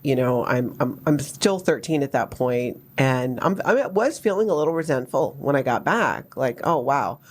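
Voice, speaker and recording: A woman in her fifties from Hawaii, hosting a podcast and telling her own life story in a candid, wry, animated way with lots of asides. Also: extremely low pitch, moderate pace, hardly any pauses. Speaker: podcast host. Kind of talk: personal storytelling chat.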